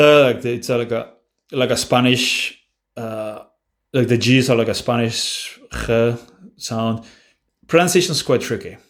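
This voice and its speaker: A man hosting a casual language-learning Q&A, answering viewer questions bluntly and offhandedly with frequent restarts. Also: mid-range voice. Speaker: language-learning channel host.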